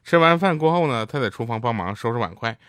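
A man doing a stand-up comedy set on stage, telling deadpan stories and acting out quotes. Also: mid-range voice, fast talker, smooth. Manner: deadpan storytelling with acted quotes. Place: stage with live audience.

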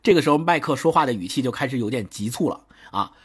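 A man casually retells a suspense story for a podcast, rattling along quickly. His voice is a bit husky, and his pitch jumps around with lively animation. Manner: animated, lots of fillers and restarts. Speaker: podcast host.

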